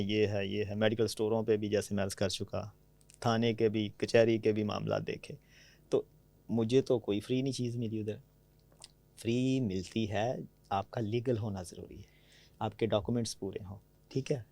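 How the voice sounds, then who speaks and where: A man from Pakistan speaks with a Punjabi-tinged Urdu accent, telling anecdotes in an easy, conversational way and often pausing to check that the listener follows. His voice is mellow and dark. It was recorded close and dry, with no room sound. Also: on the low side, steady tone, no room sound. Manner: anecdotal, frequently asks "theek hai?" to check understanding. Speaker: podcast guest. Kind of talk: conversational storytelling.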